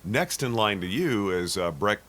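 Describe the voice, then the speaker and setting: A man's voice: fairly low pitch, big pitch swings, a little slow, a bit bright. A man from Dallas hosting a podcast, chatting casually and joking with his guest, with lots of restarts. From Dallas, Texas. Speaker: podcast host. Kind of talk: casual interview chat.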